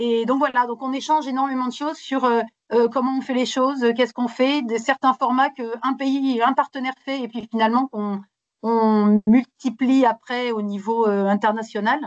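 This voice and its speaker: In a dry, close recording with no echo, a woman speaks at a high pitch with monotone, flat intonation. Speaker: research outreach project coordinator. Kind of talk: webinar presentation. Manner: fast; hesitant, many fillers.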